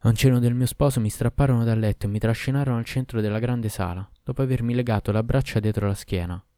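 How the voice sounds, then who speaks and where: A man reading a classic tale aloud in a measured, expressive way. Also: medium pitch, no room sound, clean studio sound. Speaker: narrator.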